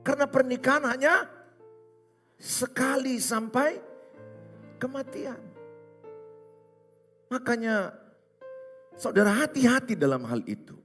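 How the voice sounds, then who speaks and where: High-voiced preaching man. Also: expressive, slow, long pauses, fairly bright tone. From Indonesia. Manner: emphatic, repetitive exhortation with rhetorical questions. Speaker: pastor. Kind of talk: sermon. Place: large church hall. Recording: reverberant church hall with music.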